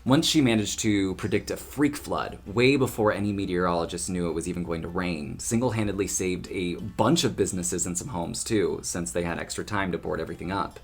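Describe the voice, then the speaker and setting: A man playing a friendly, easygoing, chatty townsperson in an audio drama, talking in a casual, animated way. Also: sits low, fairly quick, hardly any pauses, husky. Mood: confiding.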